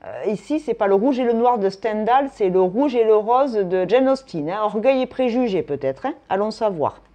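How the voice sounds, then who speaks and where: A woman's voice: mid-range voice, animated, moderate pace, dark tone. A woman from France, giving a casual tarot and astrology reading in a chatty, thinking-aloud manner. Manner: chatty, thinks aloud, frequent tag "hein". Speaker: tarot reader.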